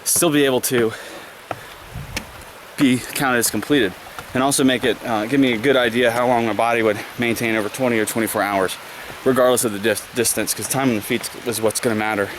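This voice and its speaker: A man's voice: mid-range voice, fairly even intonation, brisk. A man talks casually to camera while running and climbing on an outdoor trail, somewhat winded, with sighing breaths between phrases. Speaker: trail runner vlogging his run. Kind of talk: casual vlog commentary to camera. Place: outdoors on a rocky wooded trail. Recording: clear outdoor background noise.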